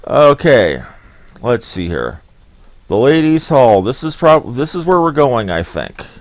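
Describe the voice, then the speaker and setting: Lässiger Let's-Play-Sprecher, trocken. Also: male voice, mid-range voice, big pitch swings, measured pace, no room sound. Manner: casual, thinking aloud. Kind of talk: casual game commentary.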